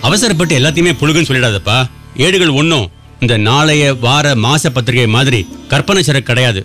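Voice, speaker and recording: An actor playing an elderly temple priest who speaks patiently and teases gently, in a radio drama. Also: male voice, mid-range voice, fairly quick, faint music behind, natural voice. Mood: calm. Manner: patient, gently teasing, affectionate.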